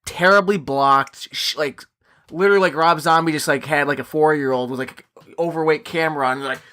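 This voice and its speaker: A man co-hosting a casual podcast, his voice gravelly and a little hoarse, talking in a chatty way with lots of fillers. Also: fairly high pitch, fairly even intonation, fairly quick, pushed and bright. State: slightly hoarse voice after a game. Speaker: podcast co-host.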